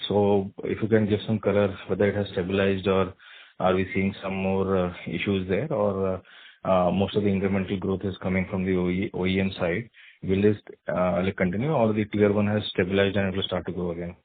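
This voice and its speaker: A man's voice: low-pitched, flat delivery, brisk, breathy edge, narrow, tinny audio. A man, an analyst putting questions to management on an earnings call in hesitant, roundabout phrasing. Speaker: financial analyst asking questions. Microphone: conference call line.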